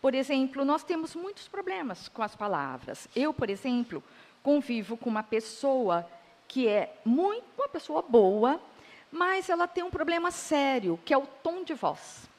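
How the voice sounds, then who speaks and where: A woman's voice: sits high, sing-song, a little slow, a little mellow. A woman with a Brazilian Portuguese accent in a spiritist talk, reflective and affirming as she retells edifying stories. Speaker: spiritist lecturer. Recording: reverberant hall.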